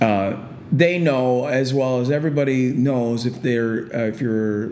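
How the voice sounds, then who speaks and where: Someone with a Canadian accent speaks at a fairly slow pace with fairly even intonation. Noticeable background noise and audible room echo fill the recording. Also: man. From New Brunswick, Canada. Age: 40s. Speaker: pro wrestler and wrestling trainer. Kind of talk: casual interview chat. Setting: at a live wrestling event.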